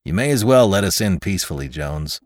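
A man's voice: low voice, very animated, a little fast, dry recording, clean studio sound. A man voicing a stern, impatient young male constable with a curt, official manner.

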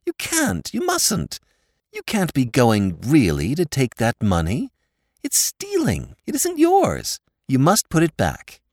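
An earnest young woman pleads and coaxes in a raised voice, as a reader puts her on. Her pitch rises and falls widely, and the recording is dry. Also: wildly swooping pitch, slow, a little mellow, no room sound, exaggerated voice. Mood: pleading. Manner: pleading, soothing. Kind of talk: audiobook character voice.

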